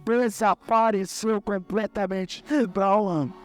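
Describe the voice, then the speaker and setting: A man's voice: high-pitched, steady tone, a little slow, faint music behind. A male preacher tells a testimony in a sermon, emotional and acting out each voice. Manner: emotional storyteller, acts out every voice.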